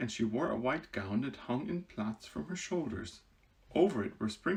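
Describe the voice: Lively intonation in plain reading aloud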